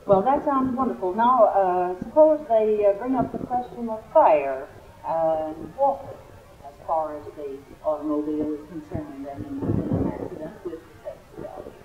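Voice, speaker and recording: An American woman hosting a 1950s radio interview, speaking politely and haltingly. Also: fairly low pitch, expressive. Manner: polite, halting, hesitant phrasing. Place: convention hall radio interview. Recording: tinny phone-like 1950s radio recording.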